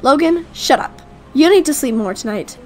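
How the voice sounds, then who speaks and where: An outspoken, protective teenage best friend , played by a woman in a game roleplay drama. The voice is very high, with blunt, emphatic delivery and faint music behind. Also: expressive, normal speed, a little mellow. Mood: indignant. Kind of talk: acted Roblox roleplay drama.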